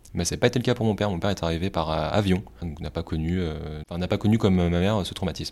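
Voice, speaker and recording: A man's very deep, low voice at a very fast pace with hardly any pauses. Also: ordinary pitch variation. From France, Bordeaux area, Vietnamese parents. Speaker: interviewee, engineer. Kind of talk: personal testimony.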